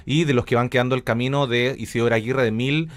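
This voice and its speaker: A man's voice: mid-range voice, steady tone, fast. Reflective Chilean man in a radio interview. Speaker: interview guest, journalist and radio theatre director.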